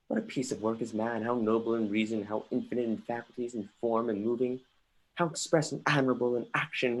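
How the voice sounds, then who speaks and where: A performer acts out a young Danish prince in a Shakespearean stage reading. He is sardonic and brooding, declaiming theatrically at a middling pitch, with the odd stumble over the verse. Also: darkish tone, natural voice, poor audio. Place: remote livestream from home.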